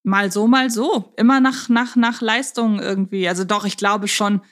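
A woman talks as a podcast co-host. Her voice sits at a middle pitch. She chats casually and works through her thoughts out loud, step by step. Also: fairly even intonation, moderate pace. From Hamburg, Germany.

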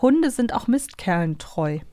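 A woman's voice: a little high, sing-song, measured pace, mellow, no echo, studio quality. A woman with a slight northern German accent, chatting as a podcast host and articulating with care. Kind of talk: casual co-hosted chat.

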